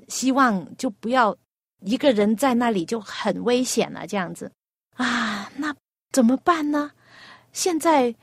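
High-voiced woman hosting a children's radio show. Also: no echo. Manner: patient, coaxing questions to a child. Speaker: children's radio program host. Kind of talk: gentle radio storytelling for children.

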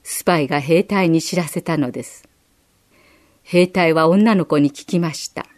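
A woman gently reading a children's Bible story aloud as scripted narration. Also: sits low, moderate pace. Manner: gentle, expressive reading with acted quotes.

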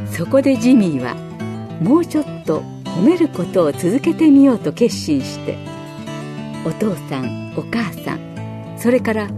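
A woman narrates a children's story aloud in a warm, expressive read-aloud manner. Her pitch moves up and down with lively animation. Plucked guitar music plays throughout beneath her voice.

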